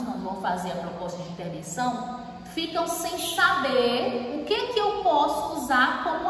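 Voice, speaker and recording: Brazilian lady teacher walking thru essay steps, asks then answers herself, kinda high voice, super echoey room. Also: a bit bright, slight background noise. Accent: Brazilian Portuguese. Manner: clear and didactic, asks questions and answers them. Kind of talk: writing lesson. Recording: echoey room, voice far from mic.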